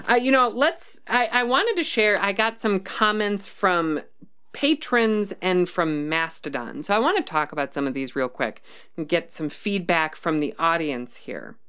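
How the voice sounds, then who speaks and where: Host woman, low clear voice, rambling live chat, thinks aloud. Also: sharp tone. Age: adult, worked as a developer. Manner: thinking aloud, frequent ums and restarts. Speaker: livestream host reading chat. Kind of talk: casual rambling livestream chat.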